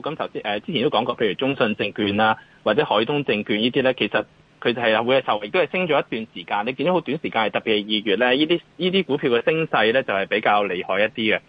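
A man's voice: medium pitch, no room sound, muffled recording. A man with a Hong Kong Cantonese accent giving off-the-cuff market commentary as an analyst, in a hesitant way that circles back over phrases.

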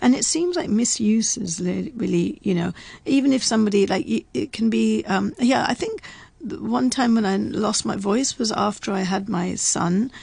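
A woman's voice: mid-range voice, normal speed, gravelly, a little mellow, breathy edge, dry recording. A woman in casual chat, explaining facts as a radio presenter and laughing often. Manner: chatty, reads facts aloud, laughs often.

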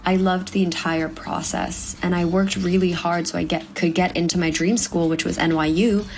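A woman in her twenties from Hong Kong, a young actor giving earnest, measured interview answers with the odd "um". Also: fairly low pitch, fairly even intonation, darkish tone, slight background noise, poor audio. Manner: earnest, measured, with frequent ums. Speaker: guest actor.

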